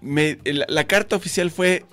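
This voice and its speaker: Man, podcast guest, dry self-mocking jokes, fairly high voice. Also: moderate pace, fairly bright tone, faint music behind. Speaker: guest cartoonist. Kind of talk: casual chat.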